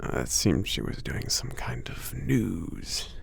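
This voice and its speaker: A very low, heavily creaking voice of a kindly giant acted by a man in an ASMR roleplay. He murmurs very slowly and hesitantly, breathy and close to a whisper, with shy, polite gentleness. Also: very animated, exaggerated voice. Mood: gentle, reminiscing. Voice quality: breathy, husky. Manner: hesitant, murmuring, halting with many soft pauses. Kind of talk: ASMR roleplay, soft talking.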